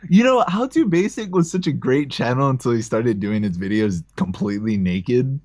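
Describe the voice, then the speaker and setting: A man's voice: mid-range voice, animated, moderate pace, darkish tone, no room sound, studio quality. A man from the United States, a guest on a gaming podcast, joking casually and saying "like" a lot. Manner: joking, peppers talk with "like". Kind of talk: casual chat.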